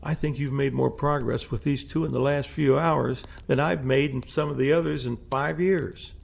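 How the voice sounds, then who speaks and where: A measured veteran researcher voiced by a man in an audio drama. The voice is mid-pitched and heavily gravelly with creak. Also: steady tone. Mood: impressed. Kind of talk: amateur audio drama acting.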